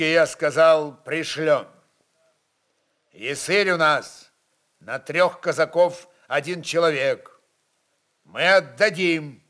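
A man's voice: fairly high pitch, a bit bright. A man voicing a defiant, fierce Cossack chieftain in a dramatized reading, with blunt, challenging, folksy speech.

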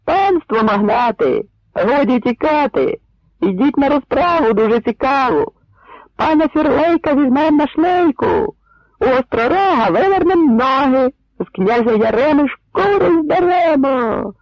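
A man doing rowdy Cossacks chanting slow taunts. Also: very high-pitched, expressive, no echo, dull audio, pitched above the performer's own voice.

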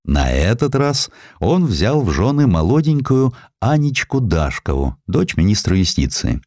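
A man narrating a historical literary audiobook in a measured, expressive, dramatic storytelling manner. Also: on the low side, no echo, studio quality.

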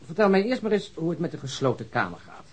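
Teasing, sceptical police colleague. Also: male voice, a little high, very animated, fast talker, breathy edge. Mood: friendly. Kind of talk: naturalistic radio drama dialogue.

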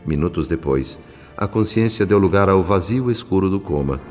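A humble spirit narrator tells a radio drama story with solemn, measured delivery. The voice is very low, carried by long reverb over soft music. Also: male voice, animated. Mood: solemn, compassionate.

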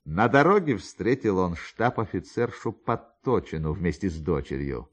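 A man narrating literary prose for radio in a theatrical manner, with emphatic pauses and drawn-out words. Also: fairly low pitch.

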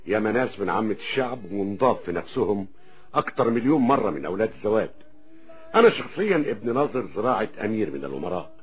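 A proud Egyptian army officer in a radio play. He is brusque and quick, with a lowish voice that swings widely in pitch. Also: big pitch swings. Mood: indignant, proud. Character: proud, brusque military officer of humble birth. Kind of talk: radio drama acting.

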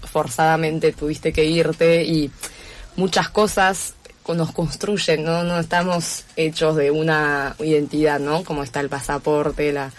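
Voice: mid-range voice, flat delivery, measured pace. A radio guest in a studio, speaking reflectively and searching for words, often ending with tag questions. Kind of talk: casual radio conversation.

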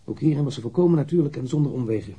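An actor playing a blunt, candid man in his thirties, a witness answering police questions matter-of-factly in a husky voice in a radio drama. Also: medium pitch, very fast, warm tone, lo-fi sound, close to an everyday voice. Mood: frank, blunt. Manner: matter-of-fact, precise, blunt. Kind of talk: radio drama interrogation acting.

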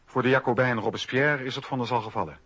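A man's voice: mid-range voice, quick pace, fairly bright tone, husky. A man narrating a scripted historical radio documentary in a factual, declarative way. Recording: dull radio recording, faint noise.

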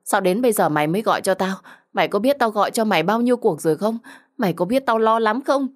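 Woman narrator as betrayed young woman, lowish female voice, agitated, pleading, urgent, furious, audio drama story. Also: expressive, a little fast. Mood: frantic pleading.

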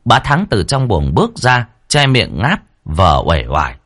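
A man narrating a dramatic audio story with an expressive, rising and falling delivery. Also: medium pitch, unhurried. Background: faint background music.

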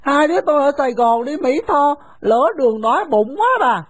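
A woman's voice: high voice, lively intonation, moderate pace, voice pushed up. A woman voicing a cheerful, bold young orphan boy who teases his friend. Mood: cheerful, eager. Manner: teasing.

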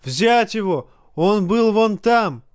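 A man voicing a cruel, hot-tempered young king who shouts imperious commands in an audiobook. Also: high voice, a little slow, clean tone, dry recording, studio quality, pitched above the performer's own voice. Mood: furious.

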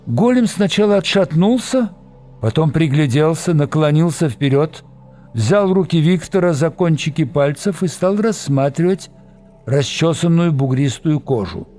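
A man reading a novel aloud as scripted narration, expressive and voicing every character himself. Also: on the high side, a little slow, faint music behind. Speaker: audiobook reader.

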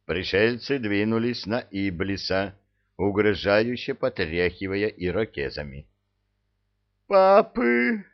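A man's voice: fairly low pitch, very animated, measured pace, muffled recording. A man narrating a comic storybook tale with a wry, humorous manner.

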